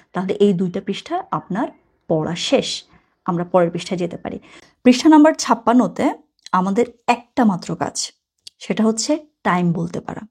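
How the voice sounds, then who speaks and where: A woman with a husky, dark-toned, mid-range voice teaches German from a textbook. She's chatty, explaining words step by step and correcting herself as she goes.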